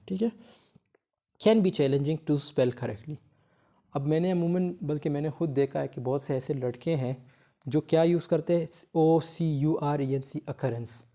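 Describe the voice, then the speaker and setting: A man teaching English spelling as a grammar teacher, reading English points slowly and explaining them quickly in Hindi. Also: on the high side, warm tone. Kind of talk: explaining a lesson, switching between Hindi and English.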